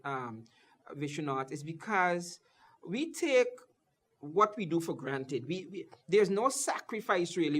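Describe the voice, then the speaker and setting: Higher-pitched jovial male talk show host. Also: a bit bright. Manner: jovial, joking, repeats "okay" and "wow". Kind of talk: political talk show interview.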